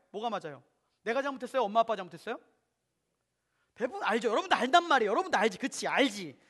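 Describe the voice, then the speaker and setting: A man preaching to children and families in church, animated, constantly asking the congregation questions and sometimes acting out parents and kids. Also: very high voice. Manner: acts out parents and children in quoted voices; occasionally shouts for emphasis. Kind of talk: children's sermon at a family revival. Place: church sanctuary.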